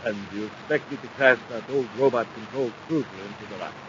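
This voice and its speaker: A man's voice: medium pitch, fast, pushed and bright, close to an everyday voice. An actor playing a nervous, obedient villain's henchman, uneasy and deferential, in a 1950s radio adventure. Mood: doubtful. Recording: muffled, noisy 1950s radio recording.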